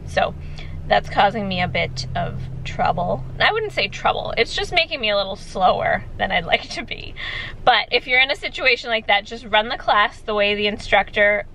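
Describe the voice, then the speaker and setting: A woman's voice: mid-range voice, bright, forceful tone, slight background noise, poor audio. A woman in her thirties talking casually to a camera held at arm's length in a parked car, laughing lightly between words. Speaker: vlogger. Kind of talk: casual vlog talk to camera. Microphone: phone camera at arm's length.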